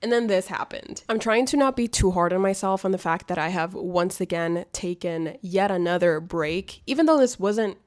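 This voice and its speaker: A woman's voice: on the low side, normal speed, hardly any pauses. Chatty young woman, congested and nasal. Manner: chatty, rambling, affectionate, laughs often. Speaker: booktuber vlogger. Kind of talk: casual life update vlog.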